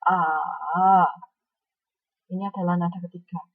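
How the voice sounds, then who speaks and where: A woman's voice: medium pitch, a little slow, no room sound, phone-quality sound. A woman teaching a Mandarin lesson online, speaking patiently and often adding a questioning "ya".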